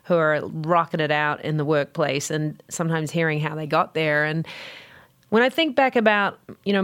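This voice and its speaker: An energetic middle-aged woman with a New Zealand accent talks through her career in a candid, casual way. Her voice sits low for a woman. The sound is dry and close, with no room around it. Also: clean tone, dry recording. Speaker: guest, company CEO. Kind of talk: casual storytelling.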